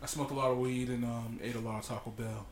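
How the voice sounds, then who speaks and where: A man's voice: medium pitch, level tone, quick pace, echoey room. A young man chatting casually and telling a laid-back story, with lots of fillers. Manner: laid-back storytelling, many fillers, acts out quoted voices. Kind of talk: casual chat.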